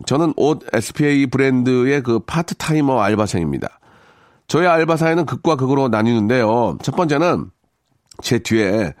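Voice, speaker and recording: Male radio host, polite and conversational, animated delivery with casual asides, close dry studio recording. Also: mid-range voice, no echo. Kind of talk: reading listener stories and commenting, casual radio talk.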